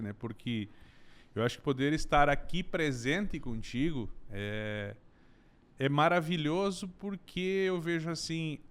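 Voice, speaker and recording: A middle-aged man from southern Brazil with a gaúcho accent, a podcast guest telling his story in a relaxed, joking way. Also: fairly high pitch. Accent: Gaúcho Brazilian Portuguese. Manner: warm storytelling, jokey asides. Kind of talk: casual podcast conversation.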